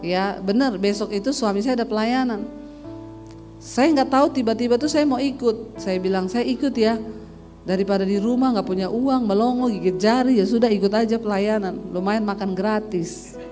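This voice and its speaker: A woman pastor in her forties preaches from the pulpit, telling a personal story with humor and lively energy while calling out to the congregation. Her voice sits at a middle pitch for a woman, with soft music faintly underneath. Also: moderate pace. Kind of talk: sermon.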